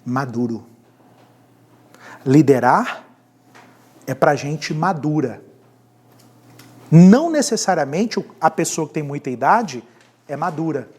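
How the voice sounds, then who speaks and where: A pastor lectures a class on leadership in a lively, somewhat high voice with a breathy edge, speaking slowly and pausing often. He returns again and again to the same key words and puts questions to the class along the way.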